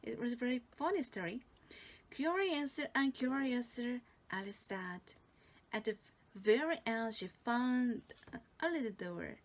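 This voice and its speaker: A woman's voice: fairly high pitch, lively intonation, a little slow. A woman with a Korean accent, a native Korean speaker, playfully reading a fairy tale aloud and adding asides for learners. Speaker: storytelling teacher.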